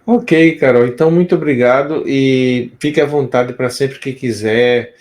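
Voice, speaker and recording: A man with a Pernambucan accent from Recife hosts a casual interview. His voice sits at an ordinary pitch. He is calm and affirming and wraps up with thanks. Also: measured pace. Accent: Recife Pernambucan Portuguese. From Pernambuco, Brazil. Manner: calm, gives short affirming backchannels. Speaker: podcast interviewer.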